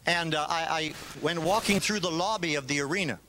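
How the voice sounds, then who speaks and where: An older man from Canada preaching a sermon in short phrases, pausing for an interpreter, telling a personal story. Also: fairly high pitch, noisy background.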